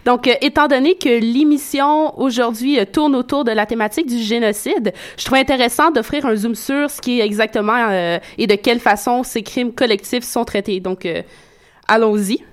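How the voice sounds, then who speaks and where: A woman's voice: a little high, moderate pace. Woman radio columnist explaining. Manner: conversational, explaining facts step by step.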